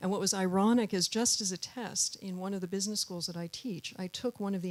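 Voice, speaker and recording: At a fairly quick pace, a woman speaks with medium pitch and fairly even intonation. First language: Japanese. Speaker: think tank head. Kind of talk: panel discussion.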